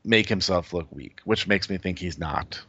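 Lower-voiced man analyzing poker, dull audio. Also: normal speed, pushed and bright, breathy edge, dry recording. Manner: thinks aloud, hedging with "like" and "I think". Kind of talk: casual strategy analysis.

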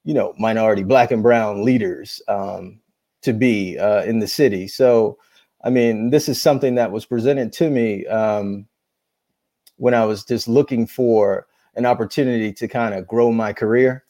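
A man speaking as a guest school leader on a video call, earnest and halting, with many pauses and fillers. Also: on the low side, warm tone, no room sound. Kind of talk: casual conversational interview.

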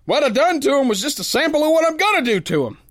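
A man's voice: very high-pitched, very animated, quick pace, a bit bright, dry recording, studio quality, exaggerated voice. A man playing a big, boastful, gullible boxer who tells his tale in slangy, ungrammatical tough-guy talk for a pulp radio play. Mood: indignant, blustering. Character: big brawling boastful soft-hearted gullible male boxer, slangy narrator.

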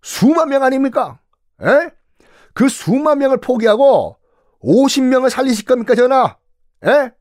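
A man's voice: extremely high pitch, animated, a little slow, dry recording, clean studio sound, pitched above the performer's own voice. A man playing an insistent old Joseon minister. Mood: pleading. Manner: earnest, insistent pleading. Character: outspoken older male Joseon minister pleading with king.

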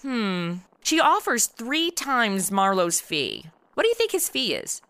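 Bright, animated, sassy young American woman. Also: a little high, a little slow, dry recording, heavily acted. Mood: breezy, curious. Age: young adult. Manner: sarcastic, slangy. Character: sassy, flippant modern twenty-something woman out of time. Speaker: lead actor and narrator. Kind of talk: comedic audio drama acting and narration.

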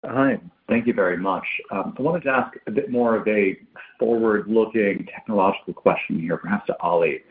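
Male analyst, somewhat low pitch, formal considered questioning, phone-band audio. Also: normal speed. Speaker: financial analyst asking questions. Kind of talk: earnings call question. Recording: tinny phone line.

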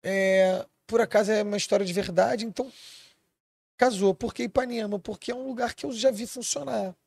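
A man's voice: sits high, a little fast, gravelly, darkish tone, no echo, studio quality. A man from Switzerland, a chef and restaurant owner, talking animatedly in a casual podcast chat and swearing freely.

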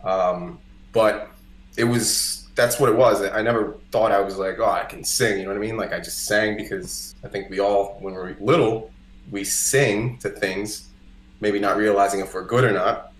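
In an echoey indoor setting, a podcast guest, a Costa Rican singer-songwriter and native Spanish speaker, talks casually about his life. His fairly low voice has fairly even intonation and moves at normal speed, and he leans heavily on "like" and "you know."

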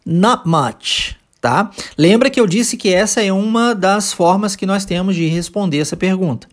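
A Brazilian language teacher hosts an informal audio lesson at a middling pitch. The delivery is conversational and emphatic, explaining things plainly and often checking in with short tag questions. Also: normal speed. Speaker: English teacher and podcast host.

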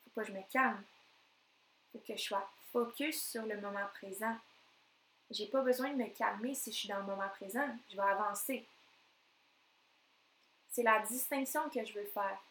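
A woman with a Québécois accent, a coach talking on her own podcast in an energetic, emphatic way that repeats phrases for effect. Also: medium pitch, normal speed, pauses often, reverberant, a little hiss or hum, rough recording. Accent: Québécois French. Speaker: NLP coach. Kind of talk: solo podcast talk.

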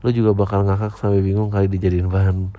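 A man's voice: low voice, level tone, fast, mellow. A man, hosting a podcast and answering listener emails in blunt, offhand, slangy replies. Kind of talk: casual podcast chat.

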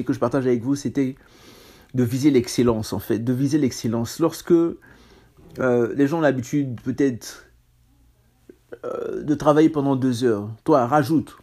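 A man's voice: mid-range voice, warm tone. A man preaching a casual sermon on scripture, talking conversationally with self-mocking asides and stammered restarts.

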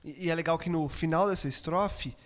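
A man's voice: on the high side, fairly quick. A Brazilian man hosting a casual faith discussion, reflecting and posing questions. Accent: Brazilian Portuguese.

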